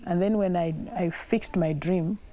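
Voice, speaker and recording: A Zambian woman whose first language is Tonga, telling her life story in a reflective, unhurried way with pauses and restarts. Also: on the low side, fairly even intonation, dark tone. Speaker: documentary interviewee.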